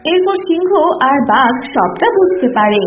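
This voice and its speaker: A woman's voice: sits high, expressive, normal speed, noisy background. A woman narrating a scripted children's cartoon story. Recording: dull, echoey audio with music.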